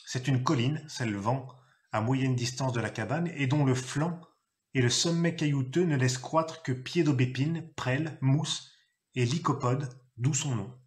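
Man reading a novel aloud, expressive. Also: mid-range voice, a little slow. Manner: expressive storytelling, acting out the father's gruff shouted lines. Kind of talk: literary reading.

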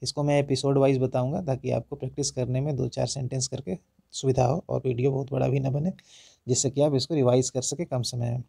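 A man with an Indian accent teaching English pronunciation, explaining slowly and reading example sentences word by word with stress. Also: mid-range voice, little pitch movement, vocal fry, dark tone, slightly rough, dry recording, studio quality. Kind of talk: spoken English lesson in Hindi.

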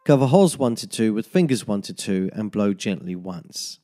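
A man narrating a tin whistle lesson as a voice-over, giving slow, methodical step-by-step fingering instructions. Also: lowish voice, lively intonation, mellow, faint music behind. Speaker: music teacher.

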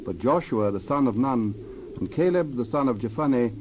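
A man's voice: mid-range voice, animated, normal speed, darkish tone. A man narrating a dramatized Bible reading in a solemn, formal, scripted manner. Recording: dull sound, faint noise, birdsong behind.

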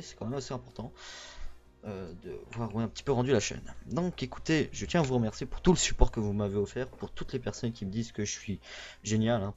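A man's voice: on the low side, darkish tone, lo-fi sound. A young man with a Québécois French accent, giving a casual vlog update to his channel's viewers, rambling with lots of hesitations and self-corrections. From Quebec. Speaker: YouTuber.

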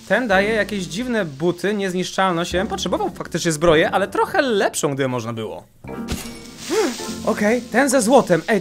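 A young man hosting a gaming channel, giving casual let's-play commentary and jumping into high yelps whenever he gets startled. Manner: excitable, jumps to high-pitched yelps when startled. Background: game music.

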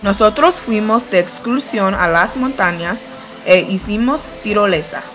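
A woman's voice: mid-range voice, expressive, a little slow, fairly bright tone. Young woman reading a study-abroad voice-over. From United States. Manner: plain, careful learner's delivery. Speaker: student narrating a study-abroad video. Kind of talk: read-aloud voice-over narration.

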